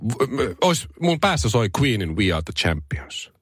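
A man's voice: medium pitch, very animated, husky, no echo, studio quality. A man hosting a radio morning show, telling a comic story in casual chat with mock pride.

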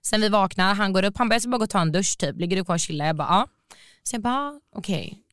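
A young adult woman telling a story in casual chat, animated and slangy, laughing as she goes. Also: medium pitch, smooth, no echo, studio quality.

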